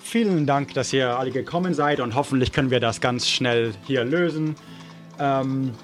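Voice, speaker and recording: A man playing detective in a mystery game, casually thinking aloud in a tentative, halting way. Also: medium pitch, soft background music. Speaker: player acting as detective.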